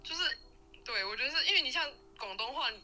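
A young woman with a Taiwanese Mandarin accent, a university student guest chatting casually and telling stories with lively laughter. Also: high voice, fast, faint music behind, rough recording. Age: young adult. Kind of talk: casual interview chat.

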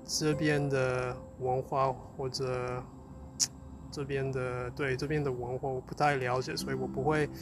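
A man's voice: medium pitch, little pitch movement, a little slow. A man who is a non-native Mandarin speaker with a foreign accent chats casually, searching for words and repeating phrases as he goes. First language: not Mandarin, a foreign learner of it. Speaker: co-host, Chinese learner. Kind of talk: casual unscripted chat.

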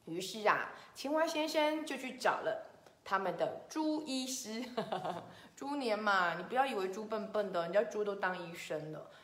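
A woman telling a children's story in a gentle, playful way, chatting to a child between scenes. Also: medium pitch, expressive, normal speed. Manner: gentle, playful, with soft laughs. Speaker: children's story podcast host. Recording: echoey room.

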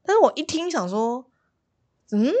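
A woman's voice: medium pitch, expressive, fast. A young woman from Taiwan co-hosting a podcast, chatting casually and making wry, teasing remarks. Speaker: podcast co-host. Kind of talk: casual chat.

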